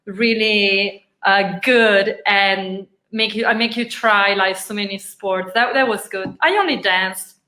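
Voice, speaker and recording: A woman's voice: mid-range voice, slow pace, few pauses, pushed and bright. A woman hosting an interview, carefully repeating and restating her guest's answers. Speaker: interviewer, host. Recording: echoey room.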